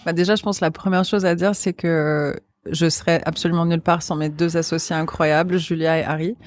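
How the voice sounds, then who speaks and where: A woman's voice: on the low side, steady tone, fairly quick. A woman with a Québécois accent, a restaurant co-founder, talking casually in an interview with many fillers. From Quebec. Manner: easygoing, frequent fillers, light laughs.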